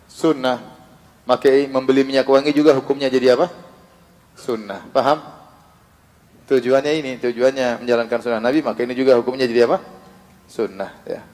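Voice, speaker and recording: A man's voice: medium pitch, steady tone, a little fast, long pauses, darkish tone. A man giving a religious study lecture, asking rhetorical questions and answering them himself, reciting Arabic verses between plain explanations. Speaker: Islamic teacher. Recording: long reverb of a hall.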